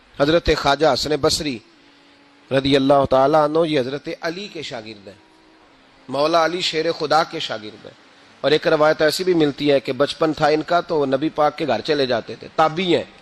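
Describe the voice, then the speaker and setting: Fairly even in intonation, a man's voice sits at a fairly high pitch. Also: big swings in loudness. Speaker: Islamic preacher delivering a religious sermon. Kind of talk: Islamic sermon (bayan) on saints' stories, delivered to an audience. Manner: passionate, preaching, emphatic.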